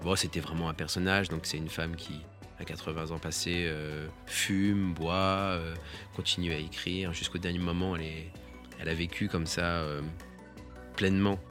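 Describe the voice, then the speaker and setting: A man, a photographer, giving a reflective and halting spoken account of one of his photographs, restarting his sentences often. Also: low voice, level tone, music in the background. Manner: halting, with many restarts and pauses.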